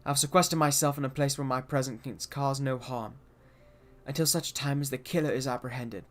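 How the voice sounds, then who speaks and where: A man's voice: mid-range voice, fairly even intonation, a little fast, soft background music. A young man casually commenting on a game he is streaming, blunt and jokey, and he reads the game's text aloud in between. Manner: blunt, sweary, joking.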